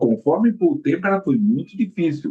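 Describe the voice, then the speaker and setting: A man's dark, mellow voice moves at a fairly slow pace through very wide pitch swings. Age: 60s. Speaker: literary show host. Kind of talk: interview conversation. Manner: halting, repetitive.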